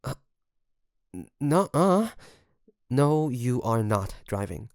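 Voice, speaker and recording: A man playing a secretly obsessive best friend in an intimate audio roleplay, coaxing and hesitant, with sighs and pauses. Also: mid-range voice, sing-song, no echo, clean studio sound. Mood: feigned worry.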